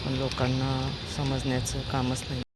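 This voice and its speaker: Low-voiced woman coaxing her dog. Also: monotone, normal speed, over loud music. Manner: coaxing and scolding, raising her voice to call the dog. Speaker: dog owner feeding street dogs. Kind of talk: casual vlog narration while walking a dog. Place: apartment building and street at night. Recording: street noise behind.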